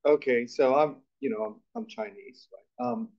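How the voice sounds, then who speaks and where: A man's voice: a little high, big pitch swings, normal speed, vocal fry, a little mellow. A middle-aged man from Malaysia, a guest speaker, telling his story in a chatty, self-deprecating way with many restarts. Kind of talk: conversational interview on stage. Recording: dull lo-fi recording.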